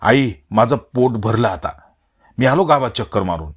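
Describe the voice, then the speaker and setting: A man's voice: mid-range voice, expressive, moderate pace, slightly rough. A male narrator voicing a grown son home from the city, blunt and defiant with his mother. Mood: curt. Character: grown son back from the city, restless and resentful.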